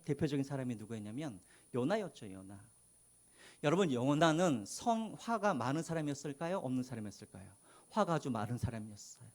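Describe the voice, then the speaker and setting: A man's voice: fairly high pitch, darkish tone. A male pastor preaching a sermon, asking the congregation questions and answering them himself.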